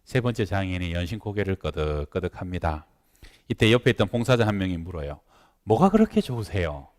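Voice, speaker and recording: A man's voice: low-pitched, quick pace. Man preaching a sermon in a reverberant church. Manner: acts out quoted voices in stories. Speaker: pastor. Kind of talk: sermon with storytelling. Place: church sanctuary.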